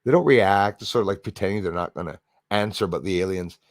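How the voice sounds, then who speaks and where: A man hosts a casual livestream, greeting viewers in chat and rambling in a friendly, conversational way. His voice sits low and fairly quick, recorded at studio quality with no echo.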